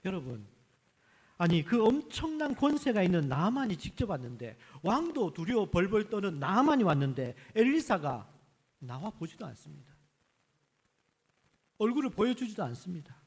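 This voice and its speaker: A man's voice: sits high, big pitch swings, normal speed, breathy edge, long reverb tail. A male senior pastor preaching a Sunday sermon in a church, emphatic and full of rhetorical questions to the congregation. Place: church sanctuary.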